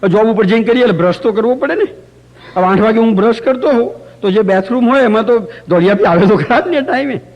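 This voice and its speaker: A man's voice: sits high, quick pace, lo-fi sound. A man teaching a religious workshop to a live group, telling anecdotes with light humor and chanting example phrases aloud to show how they sound. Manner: storytelling, demonstrates chanting aloud. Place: community center hall.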